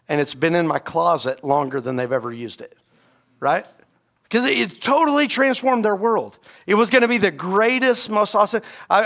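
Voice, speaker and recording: Associate pastor, man, a bit raspy from a sore throat; conversational sermon delivery, fairly high voice, keeps checking in with "right?". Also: fairly bright tone. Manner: conversational preaching, frequent "right?" asides and restarts. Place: church sanctuary.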